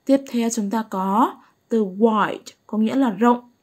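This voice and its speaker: Female English teacher. Slightly high voice, unhurried, patient delivery that keeps checking understanding. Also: darkish tone. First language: Vietnamese. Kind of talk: slow explanatory lesson.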